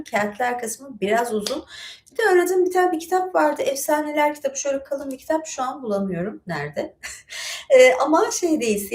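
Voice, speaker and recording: A woman hosts a casual livestream, chatting loosely with lots of fillers and asides. Her voice sits a little high. The room around her is echoey. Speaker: livestream host.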